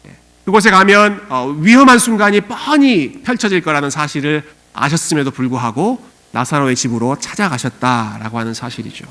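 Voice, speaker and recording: A man preaches from the pulpit in a fairly high voice with a slow, steady delivery. He leans on soft fillers between phrases and swells to loud, pleading cries when he acts out mourners. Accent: Korean (US immigrant church). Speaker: pastor. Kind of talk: sermon. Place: church sanctuary.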